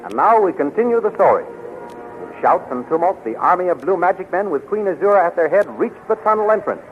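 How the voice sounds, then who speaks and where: High-pitched man announcing an old radio serial. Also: animated, fairly quick, over loud music. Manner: formal, declamatory announcing. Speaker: announcer and narrator. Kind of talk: dramatic scripted 1930s radio serial narration. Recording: tinny, noisy 1930s radio recording.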